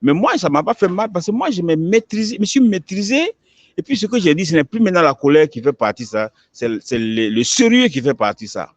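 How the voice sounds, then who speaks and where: A man's voice: high-pitched, sing-song, brisk, no room sound. A man, an imam, answering questions in an emphatic preaching manner, repeating words as he builds each point. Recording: dull lo-fi recording.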